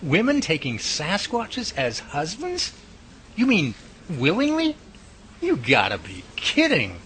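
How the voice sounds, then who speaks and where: Man acting an excitable, high-pitched, folksy skeptic. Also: slow pace, slight background noise, heavily acted. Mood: incredulous. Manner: folksy, incredulous, exaggerated. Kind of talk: audio drama acting.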